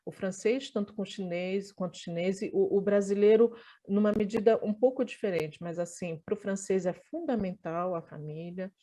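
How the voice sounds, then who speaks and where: A Brazilian woman in her forties telling her life story in an interview, thoughtful and halting, with many restarts. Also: mid-range voice, warm tone. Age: 40s.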